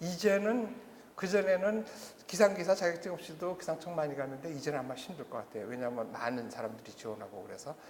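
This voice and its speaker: Talking at a very fast pace with very wide pitch swings, a man with a high voice for a man shifts greatly in loudness amid noticeable background noise and audible room echo. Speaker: instructor for meteorology exam prep. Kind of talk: lecture. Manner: casual, hesitant with fillers.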